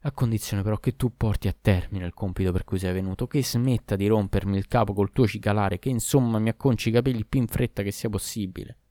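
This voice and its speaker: A man voicing an impatient young man in a hurry, speaking in a hushed, clipped way in a storybook reading. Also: lowish voice, fast talker, hardly any pauses, no echo, clean studio sound, close to an everyday voice.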